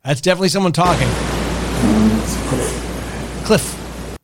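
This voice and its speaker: A man hosting a podcast in casual chat, presenting clips in an animated way with slangy exclamations. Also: fairly high pitch, moderate pace, noisy background. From Massachusetts, US. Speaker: podcast host.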